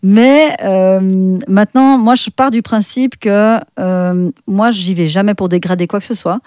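A middle-aged woman with a Swiss French accent, chatting as a guest in an interview, full of fillers and restarts and quick to laugh. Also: mid-range voice, darkish tone, smooth, no echo, clean studio sound. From Switzerland. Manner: chatty, many fillers and self-corrections, laughs often. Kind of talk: casual interview chat.

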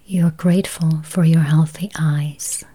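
Woman whispering a slow guided meditation, low soft breathy voice, really mellow. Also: steady tone. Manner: slow, soothing, with long pauses.

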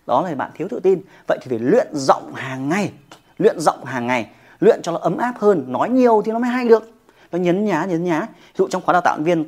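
Yoga trainer; motivational to-camera talk, fast delivery, emphatic. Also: mid-range voice. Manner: emphatic, with frequent rhetorical check-ins.

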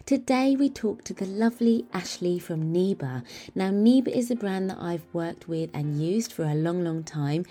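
A woman's voice: lowish voice, warm tone. A woman, hosting a podcast in an upbeat, enthusiastic way. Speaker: podcast host. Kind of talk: casual chat and read sponsor ad.

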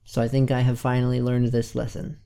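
On his self-recorded weekly self-improvement show, a male podcast host in his 20s sums up his week earnestly and plainly, sounding a little congested. His mid-range voice is creaky, mellow, clear, and resonant, delivered fairly quickly in a monotone.

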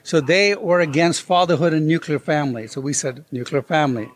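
A man's voice: on the high side, fairly quick. A man as an interview guest, telling a story and acting out the quoted voices. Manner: animated, acts out quoted dialogue. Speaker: guest author. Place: convention.

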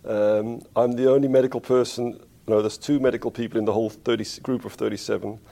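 A man from the Netherlands, a spine surgeon being interviewed, who talks in a thoughtful, unhurried way and corrects himself as he goes. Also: mid-range voice, steady tone, vocal fry, warm tone. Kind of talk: conversational interview.

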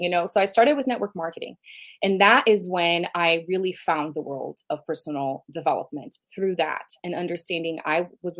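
Woman from brazil, on a podcast as a coach, lowish voice, eager and talky. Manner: eager, talkative, laughs often. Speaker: guest, business coach. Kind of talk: conversational interview.

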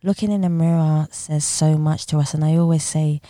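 A woman's voice: low-pitched, steady tone, normal speed, dark tone, dry recording, studio quality. A woman hosting a podcast interview, enthusiastic and full of praise for her guest. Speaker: podcast host.

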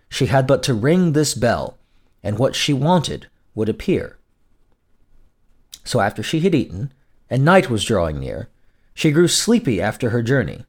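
A man narrating as a storyteller in a gothic, theatrical fairy-tale style, with dramatic, deliberate phrasing. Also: mid-range voice. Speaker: storyteller, host.

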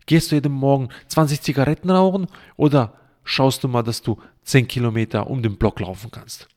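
A man's voice: medium pitch, darkish tone. Blunt, crude-talking man preaching health. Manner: blunt and crude, string of rhetorical questions; sarcastic. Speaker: self-help podcast host.

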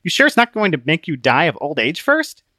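A man voicing a sardonic, deadpan female hologram book, a scoffing know-it-all in an audiobook story. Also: on the high side, a little fast, dry recording, clean studio sound, voice pushed up. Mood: dry sarcasm.

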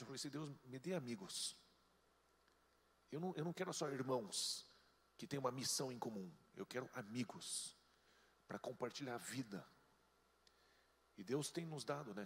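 A man preaching a sermon as pastor, telling stories with lively delivery and jumping into high voices to quote people. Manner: animated storytelling, jumps into high-pitched voices for quoted people. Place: church hall. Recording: long hall reverb.

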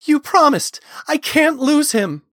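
A man's voice: very high voice, expressive, slow, a bit bright, dry recording, clean studio sound, pitched above the performer's own voice, exaggerated voice. A man voicing a desperate, fiercely devoted young male who begs and wails in a strained voice in a fantasy audiobook. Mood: desperate defiance. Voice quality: shaky, strained. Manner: wailing, begging.

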